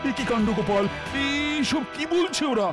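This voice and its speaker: A jovial excitable king. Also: very high voice, moderate pace. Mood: dismayed. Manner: repeats words, lively swings from praise to dismay. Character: jovial, easily swayed male king. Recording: cartoon voice with music behind.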